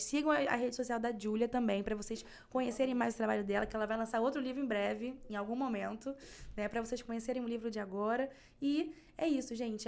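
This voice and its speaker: A woman's voice: fairly high pitch, gravelly, darkish tone. Friendly Brazilian woman podcast host. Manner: friendly, chatty. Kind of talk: episode sign-off.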